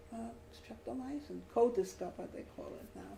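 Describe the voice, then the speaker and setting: A woman's moderately paced speech comes with audible room echo. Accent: New York. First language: German. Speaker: Holocaust survivor. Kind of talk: public talk with Q&A. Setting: embassy event with audience. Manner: halting.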